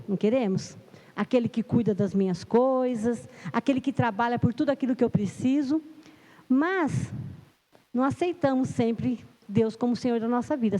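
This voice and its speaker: A middle-aged Brazilian woman, a lay preacher, delivers a sermon in a church hall, sounding nervous at first before growing earnest and emphatic. She has a Brazilian Portuguese accent and a fairly high, dark-toned voice, and the hall's long reverb fills the recording.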